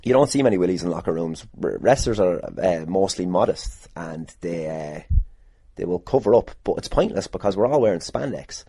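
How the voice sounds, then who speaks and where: A man's voice: low-pitched, animated, normal speed, dark tone, slightly rough, no room sound. A man hosting a casual solo podcast, rambling and sweary as he answers listener questions in a jokey way. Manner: rambling, sweary, jokingly boastful. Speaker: podcast host and wrestler.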